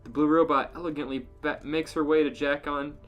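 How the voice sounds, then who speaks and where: A man's voice: on the high side, steady tone, fairly quick, a bit bright. A man co-hosting a podcast, reading out comic fan fiction as a narrator. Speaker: podcast co-host reading a story. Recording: music playing under the voice. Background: music.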